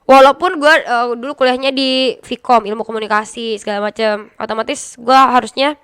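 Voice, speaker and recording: Bright, chatty young woman. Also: a little high, fairly even intonation, fairly quick, smooth. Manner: chatty, blunt, laughs often. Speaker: guest, esports caster and streamer. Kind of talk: casual podcast interview.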